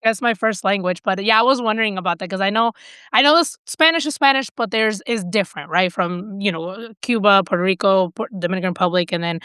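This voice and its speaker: Woman podcast host, affirming and chatty, smooth clear voice. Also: medium pitch, fast, no room sound, studio quality. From United States. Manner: warm affirming listener, many "you know" and "like" fillers. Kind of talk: casual interview conversation.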